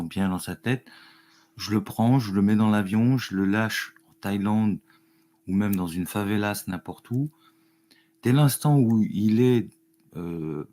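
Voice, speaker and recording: A man's voice: lowish voice, darkish tone, slight background noise. A man in a casual group discussion, making his point at length, rambling but emphatic. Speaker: discussion panelist.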